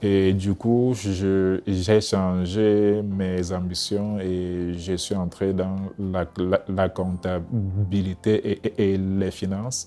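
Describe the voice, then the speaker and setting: At a very slow pace with hardly any pauses, a man talks in a very deep, low pitch, his dark, mellow tone held to a monotone, flat intonation. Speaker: accountant. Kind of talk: testimony. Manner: halting, many repetitions.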